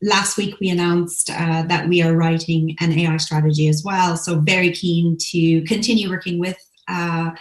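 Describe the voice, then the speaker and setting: A woman's voice: deep voice, reverberant, poor audio. A woman heading a government office, introducing herself in a friendly way with some fillers. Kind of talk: panel self-introduction.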